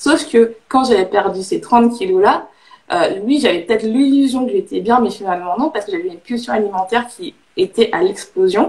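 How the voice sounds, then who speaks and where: Her voice is fairly high for a woman. Its pitch swings very widely. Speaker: weight and emotional eating coach. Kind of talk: live video chat. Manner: fast.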